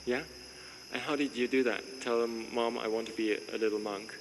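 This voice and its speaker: A man's voice: mid-range voice, little pitch movement, fairly quick, noisy background. A man, a monk welcoming visitors to his monastery, talking casually, joking and chuckling often as he asks questions. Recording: reverberant space with faint ambience.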